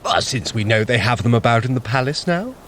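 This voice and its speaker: An actor playing a clever, sly, haughty trickster god in an audio drama, with an arch, theatrical, condescending manner. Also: male voice, mid-range voice, lively intonation, a little fast, a bit bright, slight background noise, lightly acted. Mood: wry, commanding. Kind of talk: scripted audio drama acting.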